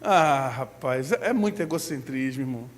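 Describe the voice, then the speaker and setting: A man with a Brazilian Portuguese accent preaching a sermon as pastor, breaking into loud shouted bursts. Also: medium pitch, expressive, normal speed, in a large hall.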